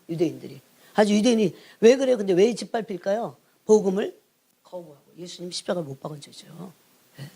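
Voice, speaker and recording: A middle-aged woman, an evangelist, preaching an emphatic sermon that keeps prodding her listeners and drops to hushed asides. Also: mid-range voice. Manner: emphatic, prods the congregation with repeated "예?"; swings between raised emphasis and hushed asides. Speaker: church evangelist, prayer team leader.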